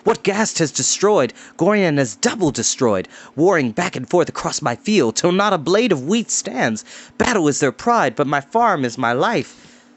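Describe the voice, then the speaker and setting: A man's voice: medium pitch, normal speed, few pauses, close to an everyday voice. A man reading a storybook aloud and voicing a bitter, ruined farmer who pleads and accuses.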